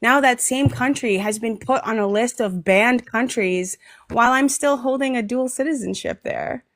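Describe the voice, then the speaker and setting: A woman's voice: fairly high pitch, moderate pace, fairly bright tone, no room sound. A woman from Kenya, co-hosting a casual political discussion, earnest and reading quoted passages aloud with emphasis. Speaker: podcast co-host.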